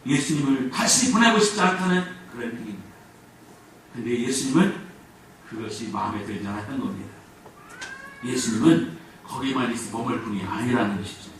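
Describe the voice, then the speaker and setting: A man preaching a sermon as pastor, with animated swings between loud and soft. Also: mid-range voice, fairly quick, pauses often. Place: church sanctuary. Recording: echoey church hall from far off, faint noise.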